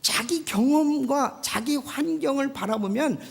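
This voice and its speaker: A pastor from Korea preaching a sermon in an animated way, often prodding the congregation with quick questions. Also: high-pitched, creaky.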